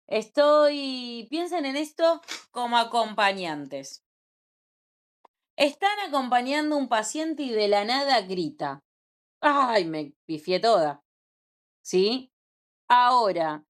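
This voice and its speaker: A young woman with an Argentine Spanish accent teaches an informal class. Her voice sits a little high, and she keeps it conversational, often tossing in quick check-in questions to her listeners.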